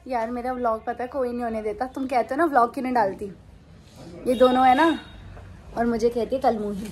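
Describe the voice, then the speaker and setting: A young woman chats and teases her family while filming a home vlog on her phone. Her voice sits high and she bursts into laughter easily. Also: fairly even intonation, a little mellow. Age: young adult. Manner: playful, teasing, quick bursts of laughter. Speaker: vlogger. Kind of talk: casual family vlog chat.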